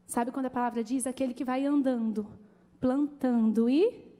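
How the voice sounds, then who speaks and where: A woman pastor preaching a sermon in an animated, conversational way, calling out to the congregation. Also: sits high, moderate pace. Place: church. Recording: long church hall reverb.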